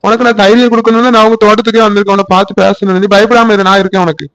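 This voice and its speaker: A man's voice: high voice, little pitch movement, rapid-fire, fairly bright tone. A man voicing a young village man comforting his sweetheart with a Tirunelveli Tamil accent, reassuring and coaxing.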